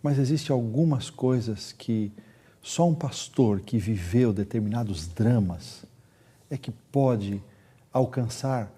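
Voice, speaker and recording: A Brazilian pastor shares his thoughts on a talk show, earnest and emphatic. His voice is mellow and slightly husky. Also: mid-range voice, slow pace. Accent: Brazilian Portuguese. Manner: earnest, emphatic, imaginative retelling. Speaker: pastor, guest. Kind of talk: reflective religious discussion.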